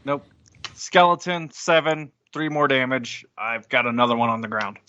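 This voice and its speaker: A man's voice: medium pitch, moderate pace, highs cut off, background noise. A man chatting casually as a player in a tabletop game.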